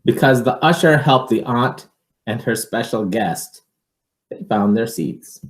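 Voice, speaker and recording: A man reading a picture book aloud to children in an expressive, measured way, with informal asides. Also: mid-range voice, roomy sound.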